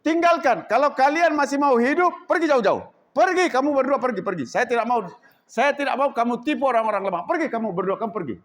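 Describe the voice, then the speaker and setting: A man acting out an angry tribal chief who shouts at strangers and orders them away with repeated threats. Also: extremely high pitch, lively intonation, fast talker, in a large hall, voice pushed up. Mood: threatening.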